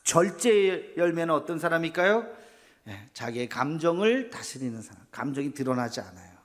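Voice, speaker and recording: A man's voice: fairly high pitch, very animated, normal speed. A middle-aged man preaching a sermon as pastor, asking the congregation questions and acting out little scenes.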